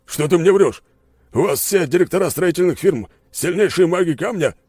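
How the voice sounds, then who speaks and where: A man's voice: mid-range voice, lively intonation, brisk, dry recording, pitched above the performer's own voice, lightly acted. A man voicing an arrogant, furious middle-aged enemy general who barks orders in an audiobook. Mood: hostile. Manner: shouting, barking orders. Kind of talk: audiobook character voice.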